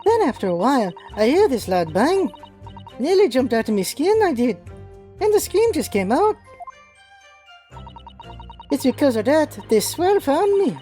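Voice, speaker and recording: A man's voice: extremely high pitch, big pitch swings, a little slow, long pauses, mellow, faint music behind, voice pushed up, full character voice. A man doing a woman's voice, playing a young, cheeky street urchin girl in a video game. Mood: cheeky, indignant.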